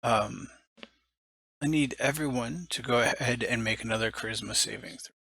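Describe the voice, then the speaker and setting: Gravelly, bright-voiced game master. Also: male voice, mid-range voice, normal speed, no room sound. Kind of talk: running a tabletop game.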